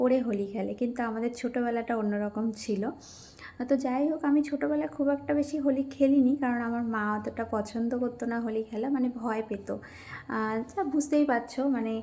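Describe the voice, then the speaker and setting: High in pitch, a woman talks with ordinary pitch variation. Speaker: lifestyle vlogger. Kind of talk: casual vlog narration.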